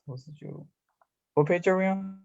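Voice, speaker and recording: A man's voice: high-pitched, normal speed, vocal fry, clear, resonant tone, no echo, highs cut off. A man doing an amateur staged reading of wrestling promos, with casual asides, over an online call.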